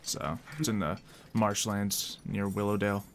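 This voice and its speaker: A man's voice: fairly low pitch, fairly even intonation, measured pace, vocal fry, slight background noise. A man acting as game master, explaining the scene casually and loosely with some hesitation. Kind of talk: casual tabletop game narration.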